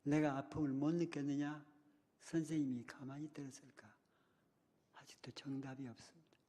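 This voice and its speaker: A man's voice: a little high, little pitch movement, moderate pace, mellow. An older man preaching a sermon, telling a childhood story and acting out the cries and words of the people in it. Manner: dramatic retelling, voicing childhood cries and a teacher's words. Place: church. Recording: long reverb of a church hall.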